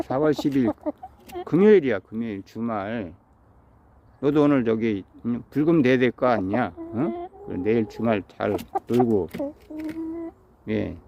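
A man's voice: lowish voice, vocal fry, muffled recording. A man on a rooftop in the early morning, chatting to his pet chicken in a coaxing, teasing way, like he would talk to a child. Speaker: pension owner talking to his pet chicken.

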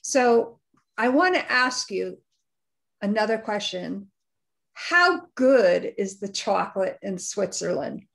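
A woman's voice: medium pitch, animated, slow, gravelly, fairly bright tone. A woman hosting a podcast interview, upbeat and appreciative toward her guest. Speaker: podcast host.

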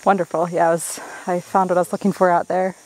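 A young woman's casual travel vlog from the rainforest, chatty, playful and self-deprecating. She speaks fast in a fairly low, slightly mellow voice with little pitch movement. Insects and jungle ambience come through the noisy outdoor recording.

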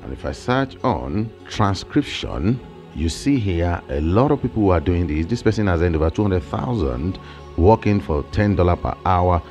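A man with a Nigerian accent and a fairly low voice talks up online side gigs, his pitch leaping around as he presses each point. He is in his thirties, close on a studio mic, with faint music under him. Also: moderate pace. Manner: animated, emphatic, gestures with hands. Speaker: online income creator. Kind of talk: energetic explainer vlog. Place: small home studio with shelves and plants, indoors. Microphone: large studio mic on a boom, close.

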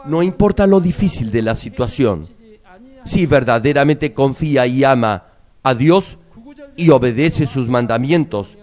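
A man preaching a sermon in a slow, deliberate, measured way. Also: mid-range voice, animated, a little mellow.

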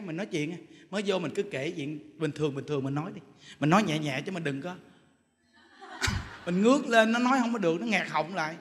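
A man giving a Buddhist dharma talk in a temple hall, telling stories in an animated way, with loud bursts and chuckles. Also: high voice. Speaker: Buddhist monk teacher. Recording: long hall reverb.

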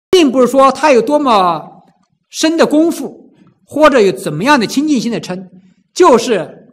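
A man with a high, lively voice preaches a Buddhist sermon. He swoops up and down through his range, fires rhetorical questions at the listeners and acts out people crying out in pain.

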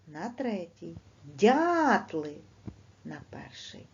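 A middle-aged woman teacher talks slowly to second graders. Her pitch swings widely in a sing-song classroom way, and her voice is mellow and slightly husky. The recording sounds dull and lo-fi. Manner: lively, sing-song classroom delivery, stretching words slowly. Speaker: primary school teacher. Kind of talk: online lesson for second graders.

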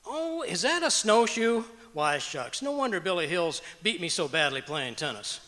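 Cheerful, bumbling 1940s radio husband, played by a man: high, animated, folksy wisecracker. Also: normal speed, exaggerated voice. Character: boastful, bumbling, cheerful pack-rat husband in radio comedy. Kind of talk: 1940s radio comedy acting. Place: auditorium stage, live performance. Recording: reverberant auditorium stage.

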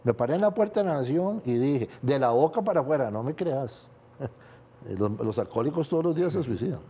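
Costa Rican man, dark confessional voice. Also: medium pitch, expressive, a little fast, husky. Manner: confessional, laughs through painful memories. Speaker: guest, sports journalist. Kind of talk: candid life-story interview.

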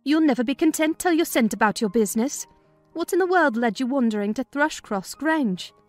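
A woman's voice: high voice, lively intonation, brisk, no room sound, soft background music, voice pushed up. A woman voicing a scolding, anxious housekeeper in dramatized audiobook dialogue, reproving and urgent.

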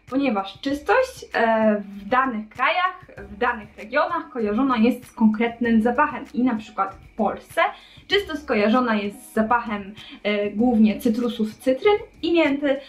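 A woman's voice: mid-range voice, dull audio. A young woman vlogging about cleaning, talking casually to the camera in a small apartment hallway, with frequent hesitations and restarts. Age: young adult.

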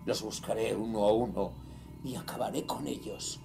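A ruthless cult leader played by a man narrates his diary in a horror audio drama. The voice is gravelly and dark, solemn and theatrical in its menace, with music underneath. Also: lowish voice, fairly even intonation, normal speed. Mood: bitter, vengeful.

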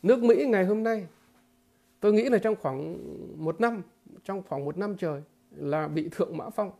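A man giving a political commentary monologue to his viewers, halting and repeating filler words, emphatic and blunt. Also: sits high, mellow. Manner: emphatic, with blunt crude imagery.

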